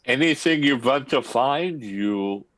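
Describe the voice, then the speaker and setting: A man playing a grand, languid ancient vampire in a comedy table read, speaking deliberately and portentously. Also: medium pitch, expressive, a bit bright, dry recording. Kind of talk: video-call table read of a comedy film script. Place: remote video-call reading.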